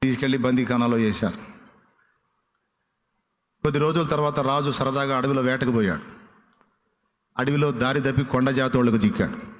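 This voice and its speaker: A man preaching a revival sermon to a congregation, lively, with rhetorical questions. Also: medium pitch, normal speed, pauses often. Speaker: pastor. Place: large revival meeting hall. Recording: long hall reverb.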